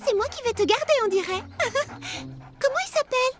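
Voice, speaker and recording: A woman's voice: very high-pitched, lively intonation, fairly quick. A woman playing a kind, cheerful, generous young girl heroine in a French-dubbed children's cartoon. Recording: music behind the voice.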